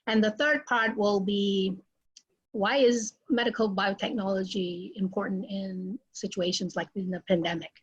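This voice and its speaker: A woman with an American accent giving a relaxed online lecture over a video call, chatty and self-deprecating. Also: mid-range voice, moderate pace, husky, highs cut off. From United States. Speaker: invited speaker, academic.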